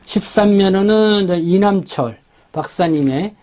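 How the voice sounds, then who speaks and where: A man hosting a news briefing, going through stories in an explanatory, halting way and often correcting himself. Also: high voice, a little mellow. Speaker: host presenting a community newspaper's issue. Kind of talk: semi-scripted spoken news briefing, page by page.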